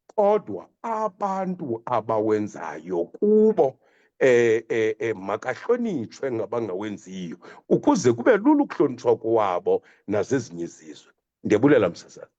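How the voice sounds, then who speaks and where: Man, Xhosa accent, halting radio guest, lively swooping pitch, dull lo-fi audio. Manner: halting, with many repeated hesitations. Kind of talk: earnest spoken commentary. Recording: dull, lo-fi line.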